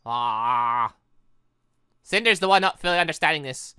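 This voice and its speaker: Animated, bright-voiced man doing gaming commentary. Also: fairly high pitch, normal speed, clean tone, dry recording, studio quality. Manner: rambling, thinking aloud, stumbling over read lines. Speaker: gaming channel host. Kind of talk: let's play commentary, reading dialogue aloud.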